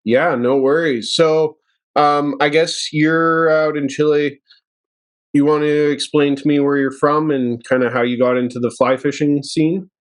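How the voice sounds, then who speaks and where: A man's voice: fairly high pitch, steady tone, unhurried. A man hosting a podcast, asking questions in a laid-back, chatty way. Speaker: podcast host. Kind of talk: casual interview conversation.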